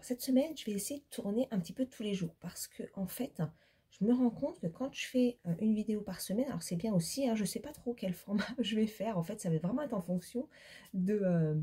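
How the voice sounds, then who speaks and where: A woman's voice: medium pitch, moderate pace, mellow, breathy edge. A middle-aged woman from France chatting casually to camera in a knitting vlog, rambling with many fillers, tired and still congested after laryngitis. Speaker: knitting vlogger.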